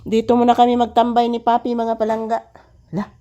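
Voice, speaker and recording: A woman's voice: on the high side, completely flat delivery, brisk, dull audio. A woman vlogging casually from her living room, coughing from a cold and coaxing her child between remarks to viewers. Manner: talks softly to a child, coaxing. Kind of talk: casual home vlog.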